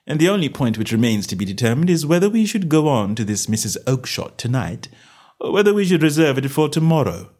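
A man voicing a calm, self-assured male detective with a bland, measured manner. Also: mid-range voice, voice pushed up, close to an everyday voice.

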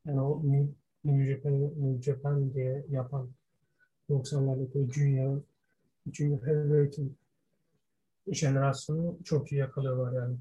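A man's voice: medium pitch, little pitch movement, moderate pace, dark tone, slightly rough. A man co-hosting a casual discussion, speaking self-admittedly poor Turkish, often searching for words and slipping in English terms. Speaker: podcast co-host. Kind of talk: casual wrestling history discussion.

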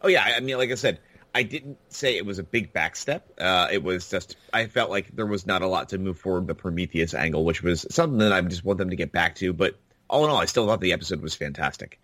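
A man's voice: sits low, animated, fast, fairly bright tone, no echo. A man co-hosting a podcast, chatting casually and enthusiastically about TV episodes, with lots of fillers. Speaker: podcast co-host. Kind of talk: casual TV review chat.

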